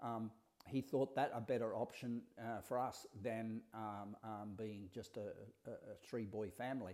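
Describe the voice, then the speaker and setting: Speaking fairly slowly with an Australian accent, a man uses a medium pitch, a dark, mellow tone, and fairly even intonation. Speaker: business consultant and speaker. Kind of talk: solo monologue podcast. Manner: halting, with fillers.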